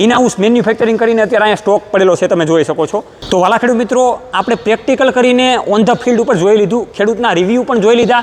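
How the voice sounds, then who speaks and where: A man speaks with a high pitch and very even loudness. Background noise is noticeable. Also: ordinary pitch variation. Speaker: agriculture video host. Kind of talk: promotional interview and product demo.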